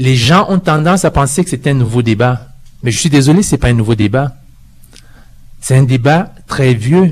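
A man talks with lively intonation and a somewhat breathy voice, leaving long, frequent pauses. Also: medium pitch for a man, moderate pace. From Cameroon. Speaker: coordinator. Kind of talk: formal debate. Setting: live radio broadcast before an audience.

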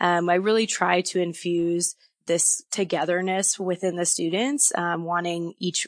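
A woman with a normal speaking voice talks at a moderate pace, fairly low in pitch, with fairly even intonation. The sound is dry and close with no echo, over a quiet background. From US Midwest, Wisconsin. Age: 20s. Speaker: university program coordinator. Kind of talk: interview.

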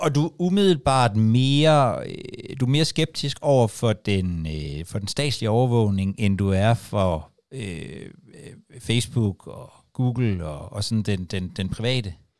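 Very slow speech from a man at medium pitch with very wide pitch swings, on a very clean recording with a silent background. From West Jutland, Denmark. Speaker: podcast host. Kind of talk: interview conversation. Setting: studio. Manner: halting.

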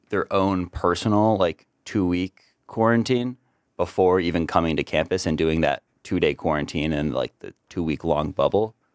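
Over a very clean recording with a silent background and a dry, close sound with no echo, a man talks at a moderate pace in a very deep, low pitch with ordinary pitch variation. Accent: American. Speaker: college student. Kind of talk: interview.

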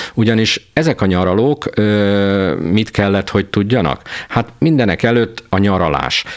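At a fairly slow pace, a man with a fairly low pitch speaks with lively intonation and very even loudness. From Hungary, Balaton Uplands (Révfülöp). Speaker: architect. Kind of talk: interview. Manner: halting, many fillers and repetitions.

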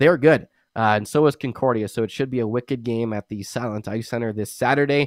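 In a dry, close recording with no echo and a quiet background, a man talks at a fairly quick pace in an animated, enthusiastic tone, medium in pitch with ordinary pitch variation. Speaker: co-host and play-by-play announcer. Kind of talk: casual podcast chat.

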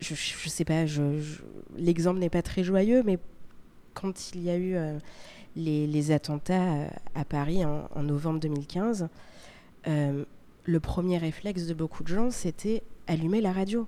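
On a very clean recording with a silent background, a woman speaks very slowly in a dark, mellow tone, fairly low in pitch with ordinary pitch variation and long, frequent pauses. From France. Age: 20s. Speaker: journalist. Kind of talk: interview.

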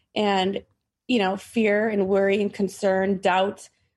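In a western Canadian accent, a woman speaks at a fairly slow pace over a quiet background. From western Canada, Prince George, British Columbia. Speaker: professional triathlete. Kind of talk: interview.

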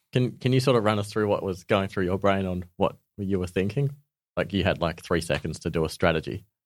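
A man speaks with an Australian accent at a fairly quick pace, his fairly low pitch showing ordinary variation. The recording is very clean, with a silent background. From rural Victoria, Australia. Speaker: podcast host. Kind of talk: casual interview chat.

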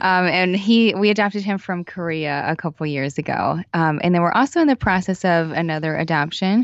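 A woman with a plain, everyday voice, fairly low pitch, ordinary pitch variation, a fairly quick pace and hardly any pauses, against a quiet background. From US Midwest, small-town Indiana. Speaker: podcast host and dance teacher. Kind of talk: casual interview chat.

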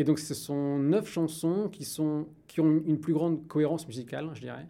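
Rather slowly, a man talks in a dark, mellow tone. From France. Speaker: musician. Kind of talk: radio interview. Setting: radio studio.

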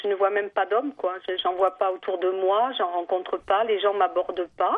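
A woman speaks at a moderate pace. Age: 50s. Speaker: caller. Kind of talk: phone-in conversation. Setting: phone call. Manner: hesitant.

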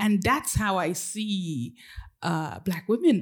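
The speech comes at a very slow pace. Vocal fry runs through the voice. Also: woman. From Nigeria (Lagos), moved to Britain at 12-13. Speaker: holistic healing coach. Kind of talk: interview.

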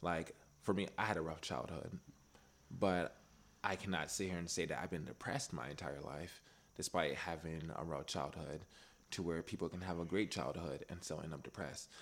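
A man's very deep, low voice with vocal fry, ordinary pitch variation, and a moderate pace. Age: 20s. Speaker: podcast host. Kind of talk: scripted narration; casual chat.

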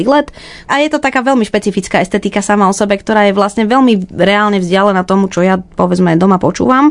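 A woman talks at a very fast pace with a medium pitch. Her loudness stays very even, and her pitch variation is ordinary. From Slovakia. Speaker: conductor and soprano. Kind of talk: radio interview. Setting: radio studio.

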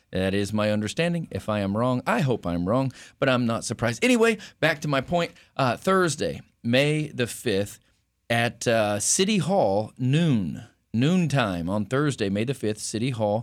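In a very clean recording with a silent background, a man uses a plain, everyday voice with lively intonation at a moderate pace. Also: medium pitch for a man. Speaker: preacher hosting a Bible call-in radio show. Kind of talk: radio talk show. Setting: radio studio.

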